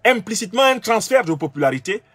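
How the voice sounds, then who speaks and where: A man's voice: high voice, big pitch swings, quick pace, fairly bright tone, no echo. A man from Cameroon giving a lecture-style monologue, emphatic and argumentative, speaking straight to his listeners. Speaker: political commentator.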